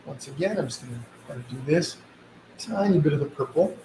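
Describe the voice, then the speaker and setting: With lively intonation and a warm, high-leaning voice, a painting instructor talks fairly quickly through a casual live tutorial. He sniffles slightly from a mild cold but keeps things easygoing and reassuring. The recording has roomy echo and some background noise.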